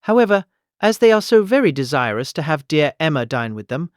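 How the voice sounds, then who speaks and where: An actor playing a fretful, gentle elderly gentleman, fussy and plaintive, in a period comedy audiobook. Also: on the high side, very animated, brisk, dry recording, studio quality. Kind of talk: audiobook character acting, period comedy of manners.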